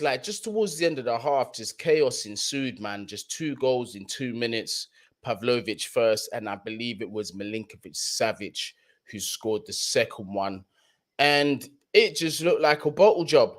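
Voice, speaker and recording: A young man with a London accent hosts a live football stream and talks to his viewers in easy, slang-filled chat. He repeats his points for emphasis, and his voice sits at an ordinary middle pitch for a man. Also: expressive, unhurried. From London, England. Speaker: football channel host.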